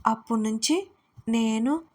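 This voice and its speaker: A woman voicing a playful, childish young woman who squeals and shouts in an audio story. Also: fairly high pitch, unhurried. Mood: childish pouting.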